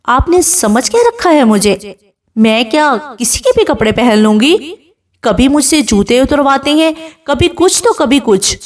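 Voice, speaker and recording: A woman's voice: fairly high pitch, animated, close to an everyday voice. A woman reading as a frightened young bride. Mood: defiant. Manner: pleading, tearful. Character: young bride, defiant then pleading.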